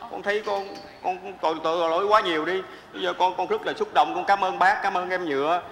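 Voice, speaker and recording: A penniless gambler son who stammers and wails through his excuses. He talks fast and bright. The sound is an echoey stage with long reverb. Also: sits high, steady tone. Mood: remorseful. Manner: whiny, stammering, wailing exclamations. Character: penniless man, gambler, comic prodigal son. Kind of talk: stage comedy sketch.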